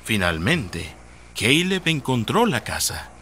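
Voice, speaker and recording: A man's voice: mid-range voice, sing-song, slow pace, bright, forceful tone, slight background noise. A man with a Latin American Spanish accent narrating a scripted horror story.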